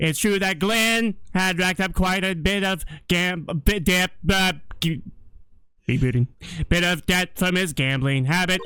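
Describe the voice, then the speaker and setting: In a put-on character voice pitched high, a man talks at a moderate pace, broken by long, frequent pauses. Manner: glitching.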